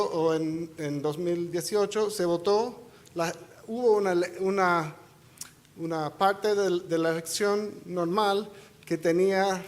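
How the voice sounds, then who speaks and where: A man giving an academic seminar talk in Spanish, which is not his first language, with many restarts and fillers. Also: high-pitched. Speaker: seminar speaker. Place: conference hall.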